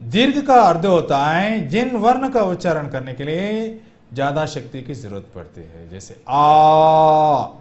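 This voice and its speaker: A man teaching Hindi grammar in a classroom, sounding out vowels slowly and asking the class questions he then answers. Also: fairly high pitch, big pitch swings. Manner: slow, repeats vowel sounds aloud for drill. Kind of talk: classroom lecture for exam prep. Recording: dull lo-fi classroom recording.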